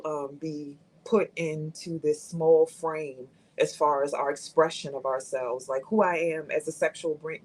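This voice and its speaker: A woman's voice: deep voice, a little mellow, poor audio. A woman in her fifties speaking candidly as a guest on a live talk show, reflective and thoughtful. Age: 50s.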